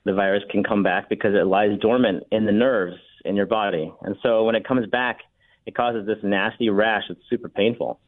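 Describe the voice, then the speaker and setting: A male doctor calls in to the show and explains things calmly and plainly. His voice is low and steady. It comes through a thin, tinny phone line. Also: moderate pace. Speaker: emergency room doctor, guest. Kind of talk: phone-in interview.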